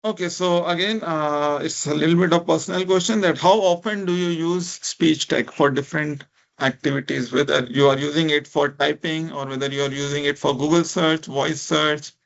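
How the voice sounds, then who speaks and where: A man's voice: fairly high pitch, steady tone, normal speed, creaky, a bit bright, lo-fi sound. A man from India with an Indian accent, speaking English as a second language, giving an informal, encouraging interactive online lecture and often checking in with "right?". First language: a minority language of India. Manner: informal, encouraging, repeats "right?" and "you know". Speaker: lecturer, speech technology researcher.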